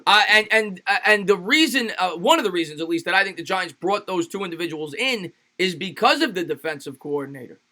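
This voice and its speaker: A man hosting a casual sports livestream, reading fan donations aloud in an energetic, hyped-up way, his voice a little raspy and tired. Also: sits high, fairly quick, hardly any pauses. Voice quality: slightly raspy. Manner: energetic, hypes up fans. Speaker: sports YouTube host reading super chats.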